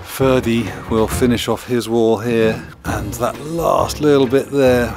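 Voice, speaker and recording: A middle-aged man talks slowly in a mid-range voice over music, keeping things casual and understated. He's a vlogger building a recording studio in a barn, filming this handheld video diary inside the large barn with the camera at arm's length.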